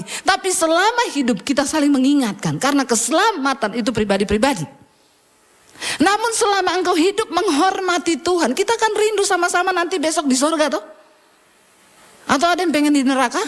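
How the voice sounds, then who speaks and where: A middle-aged woman pastor, preaching a sermon emphatically and calling out to the congregation. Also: extremely high pitch.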